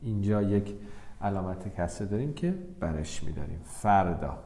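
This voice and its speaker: A man teaching the Persian script in a video lesson, dictating words slowly and drawing them out between quicker instructions. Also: low-pitched, creaky, warm tone. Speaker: language teacher. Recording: roomy echo.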